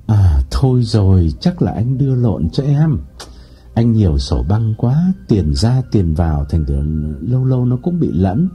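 Guy doing a dark husky sweet-talking cheater, eager, stammers a bit, faint music behind. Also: lowish voice, sing-song, measured pace, heavily acted. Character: smooth-talking unfaithful man, eager and flustered.

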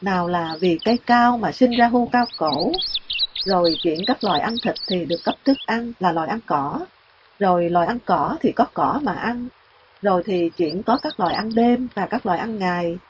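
A woman calmly reading a first-person story aloud as an audiobook narrator. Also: lowish voice, normal speed, muffled recording, noisy background.

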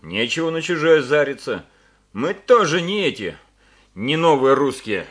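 A blunt, plain-spoken husband in a radio play. His slightly high voice moves up and down expressively. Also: sing-song, measured pace, fairly bright tone. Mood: gruff. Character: blunt, gruff village husband.

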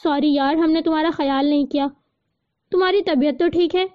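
A caring young student comforts her friend in a gentle, reassuring voice, played by a woman narrator. The voice sits high, in a dry and slightly dull recording. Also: fairly even intonation, no echo, lightly acted.

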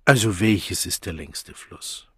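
Ein Mann, der in einem Hörbuch einen Erwachsenen spricht, der einen kleinen Jungen eindringlich ausfragt. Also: male voice, deep voice, slow pace, fairly bright tone, breathy edge, dry recording, clean studio sound, exaggerated voice. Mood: coaxing. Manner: coaxing, insistent. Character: adult coaxing a small boy at breakfast. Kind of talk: audiobook reading.

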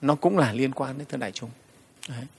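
A man, a Buddhist monk giving a storytelling dharma talk to the assembly, often pausing on "đấy". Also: medium pitch, vocal fry, husky, big-room sound. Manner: storytelling, frequent "đấy" fillers, addresses the assembly.

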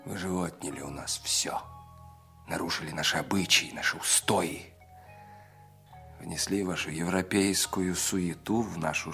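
An actor in an audio play voicing a cunning, embittered spy with a deliberate, theatrical delivery that moves between hushed and emphatic. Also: male voice, low voice. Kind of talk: dramatic audio play acting. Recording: music under the voice. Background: music.

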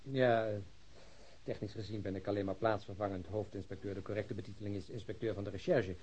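An actor playing a modest, precise deputy police inspector in a radio drama, formal yet easygoing. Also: male voice, on the low side, steady tone, fairly quick, a little mellow, breathy edge. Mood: mild, correcting. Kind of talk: naturalistic Dutch radio drama acting.

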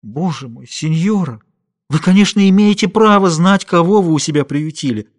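Guy reading a novel doing a heartbroken young woman, teary, begging, pitched way up. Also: animated, normal speed. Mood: tearful. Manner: pleading, sobbing, tearful. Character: young distraught woman, cursed and tearful.

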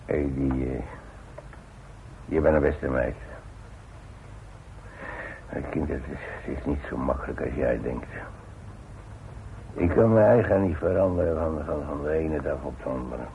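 An actor playing a proud, stubborn retired workman and father in a radio play, speaking haltingly on an old recording. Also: very deep voice, vocal fry, phone-quality sound, slight background noise, heavily acted. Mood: tender, subdued. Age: older. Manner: hesitant, halting, repeats words. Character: proud, stubborn retired chimney climber, gruff but tender father. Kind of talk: naturalistic Dutch radio play acting.

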